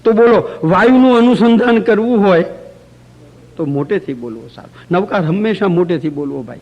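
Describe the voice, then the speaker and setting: A man with a high-set voice leads a religious workshop before a group. He explains points through everyday anecdotes told with a light, humorous touch. He often stops to chant sample phrases aloud himself. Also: lively intonation, normal speed, dull audio. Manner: storytelling, demonstrates chanting aloud. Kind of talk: lecture to a live group. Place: community center hall.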